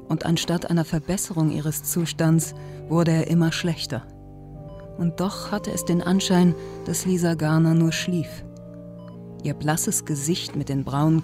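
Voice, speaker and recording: A man's voice: a little high, darkish tone. A man reading scripted narration for an audio drama. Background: music.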